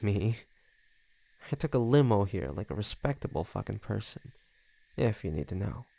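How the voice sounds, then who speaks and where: Man voicing a smug, creaky low-voiced flirty vampire. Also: animated, moderate pace, dark tone. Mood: wry, sardonic. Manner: teasing, smug, sardonic. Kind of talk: scripted audio roleplay addressed to the listener.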